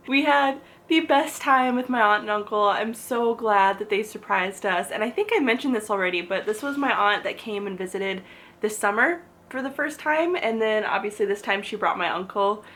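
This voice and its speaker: A woman's voice: medium pitch, normal speed, fairly bright tone. A young woman vlogging casually to camera, stuffy-nosed with a cough, bubbly and chatty. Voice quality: bubbly and chatty, with frequent "like" and laughs. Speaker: book and lifestyle vlogger.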